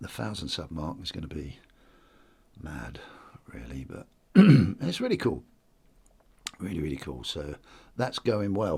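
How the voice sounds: In a croaky, raspy put-on character voice, the speaker moves at a moderate pace with long, frequent pauses, very wide pitch swings and big swings in loudness. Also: man, very deep, low pitch for a man.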